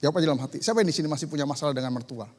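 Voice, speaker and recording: A man's voice: a little high, rapid-fire, a little mellow. A man preaching a sermon as pastor, moving between conversational asides and emphatic declarations. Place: church sanctuary. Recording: church hall reverb.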